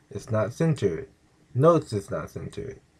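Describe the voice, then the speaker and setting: A man with an American accent, vocal fry and lively intonation. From United States. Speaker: YouTuber and digital artist. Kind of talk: screen-share walkthrough commentary. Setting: screen recording. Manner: halting, casual with fillers.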